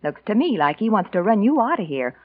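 An actress playing a brash, nosy young office secretary who talks in a breezy, blunt, slangy way, in 1940s radio acting style. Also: female voice, medium pitch, very animated, fairly quick. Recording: lo-fi old radio broadcast.

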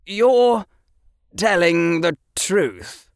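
Male reader doing a proud wizard boy, shaken, wavering, raised pitch, slow. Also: lively intonation, clear, resonant tone, no echo, studio quality, exaggerated voice. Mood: wondering. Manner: wavering, whispering in awe.

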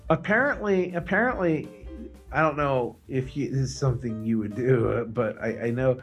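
A man's voice: medium pitch, moderate pace, soft background music. A man co-hosting a podcast, chatting casually and telling anecdotes with some swearing. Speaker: podcast co-host.

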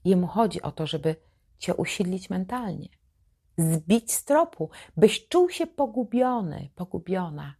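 A woman hosting a psychology channel, giving an advice monologue to her viewers in a slow, emphatic, deliberate way. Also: lowish voice, animated, vocal fry, warm tone, breathy edge.

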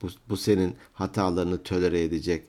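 A man's voice: deep voice, fairly even intonation, fairly quick, warm tone. A man in casual conversation who laughs often and tells humorous anecdotes.

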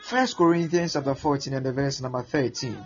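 A Ghanaian man preaches a teaching sermon at a fairly quick pace in a mid-range voice, repeating words often as he explains. He is animated and acts out prayers and voices, and the recording is muffled and lo-fi with faint music.

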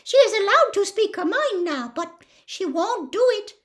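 A woman voicing a nervous, devoted male house-elf from a storybook, with a squeaky voice and servile third-person speech. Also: big pitch swings, moderate pace, a bit bright, exaggerated voice. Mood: earnest, serious.

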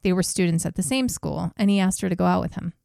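A woman with a low, gravelly voice tells a true crime case on a podcast. She is blunt and casual, and she swears. The sound is close and dry. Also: fast talker, warm tone, dry recording. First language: English. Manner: blunt, swears, laughs at grim moments.

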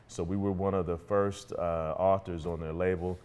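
A middle-aged African American man with a deep, low-set voice. He speaks conversationally as an interview guest, repeating phrases for emphasis as he earnestly encourages the listener. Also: flat delivery, moderate pace, darkish tone, clean tone. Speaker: podcast guest, entrepreneur and author.

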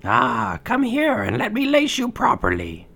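A man's voice: extremely high pitch, huge pitch swings, measured pace, vocal fry, sharp tone, slightly rough, voice pushed up, heavily acted. A man voicing a vain, scheming wicked queen in a read-aloud fairy tale, with a theatrical, sneering delivery. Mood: wheedling.

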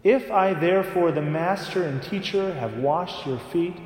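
A man's voice: high voice, measured pace, a little mellow. A man serving as a priest at Mass reads the Gospel and then preaches a homily, with a casual way of talking that he keeps dotting with "right?". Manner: talks in a casual way with frequent "right?" tags. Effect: cathedral echo. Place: large church. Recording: long echoing church reverb.

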